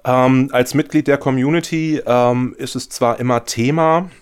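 A man's voice: mid-range voice, fairly even intonation, measured pace, smooth. A man giving reflective interview answers as a guest, thoughtful and often searching for his words. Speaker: radio play writer, interview guest.

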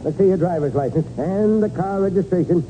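Male actor's righteous small-town cop, American, high voice, scornful folksy bluntness, 1940s radio play, hissy background. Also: brisk, natural voice. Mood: scornful scolding. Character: gruff, righteous small-town police chief, scolding. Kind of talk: 1940s radio crime drama acting. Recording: tinny, noisy 1940s radio recording.

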